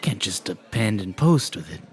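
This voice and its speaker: A man voicing a folksy innkeeper in a comic fantasy skit, with a gravelly, stammering, old-fashioned way of talking. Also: lowish voice, animated, moderate pace, natural voice. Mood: reluctant. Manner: folksy archaic speech, stammering. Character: folksy male innkeeper, grateful, given to dramatics.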